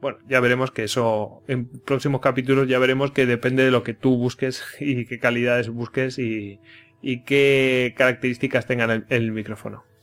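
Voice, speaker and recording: A man talks through a casual tutorial, chatty and loose, full of fillers and self-corrections. His voice sits at an ordinary middle pitch, close on a dynamic stand microphone, with faint music underneath. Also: little pitch movement, normal speed. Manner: chatty, many fillers and restarts. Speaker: podcast host explaining microphones. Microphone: dynamic studio microphone on a stand.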